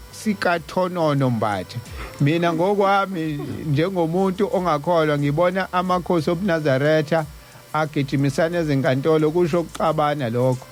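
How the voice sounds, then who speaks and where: South African male host over music. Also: on the high side. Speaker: radio host. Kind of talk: casual talk show hosting.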